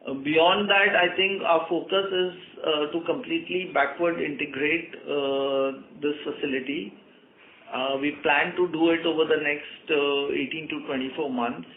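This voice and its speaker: A man with an Indian accent answering as a company executive on an earnings call, halting and measured as he speaks. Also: fairly high pitch, steady tone, a little hiss or hum. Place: conference call by phone. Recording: roomy echo, narrow phone line.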